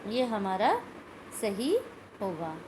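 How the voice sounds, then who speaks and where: A woman's voice: medium pitch, lively intonation, slow, background noise. A woman teaching a recorded school Hindi lesson, explaining step by step and repeating words and sounds aloud. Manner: asks questions of pupils, adds "ठीक है" often.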